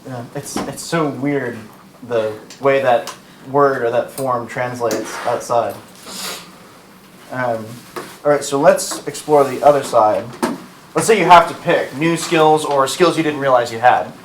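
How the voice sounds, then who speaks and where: A man's voice: medium pitch, a little slow, a little hiss or hum, low-quality recording. Man leading a workshop discussion. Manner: prompting questions, relaxed and joking. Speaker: workshop facilitator.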